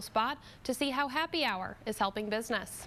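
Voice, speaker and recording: A woman with an American accent and a plain, everyday voice, at a moderate pace. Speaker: television news anchor. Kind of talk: TV news anchor delivery.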